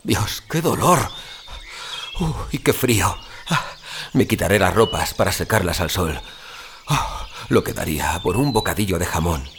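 A man's voice: low-pitched, lively intonation, a little slow, noisy background. A man playing an anguished, dazed amnesiac survivor in a first-person audio drama, with theatrical gasps and exclamations. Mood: pained, distressed.

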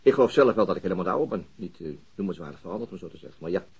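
A disillusioned detective with a very raspy, quick delivery. He is deadpan and politely ironic, in a radio drama with a slightly muffled sound. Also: low voice, full character voice. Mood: guarded, dry. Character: dry, disillusioned male police detective, quietly ironic.

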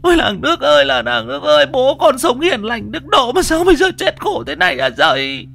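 A man's voice: extremely high pitch, sing-song, brisk, creaky, pushed and bright, voice pushed up, heavily acted. A man voicing a grieving village woman who wails and cries out for her dead father, in a horror story. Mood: wailing grief. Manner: wailing, crying, calling out.

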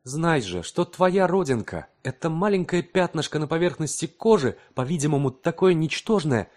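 A man's voice: fairly high pitch, a little mellow, pitched above the performer's own voice, natural voice. A man voicing an anxious, obsessive scientist husband who speaks in urgent, tense outbursts.

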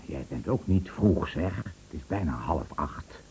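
A man's voice: sits low, animated, measured pace, gravelly, heavy background noise, heavily acted. An actor playing an anxious, bookish bedridden man in a Dutch radio play, agitated and stammering, repeating his words. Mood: irritable, drowsy. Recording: muffled old radio play recording.

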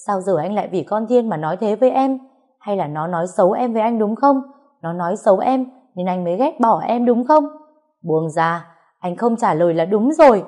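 A woman putting on a shrill scheming young woman. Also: mellow, natural voice. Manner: shrill, whiny, accusing.

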